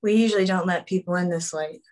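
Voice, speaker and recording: A woman's voice: lowish voice, fast talker, darkish tone, lightly acted. A woman reading the part of a tough young woman who answers threats in a blunt, defiant, dry way at a script table read.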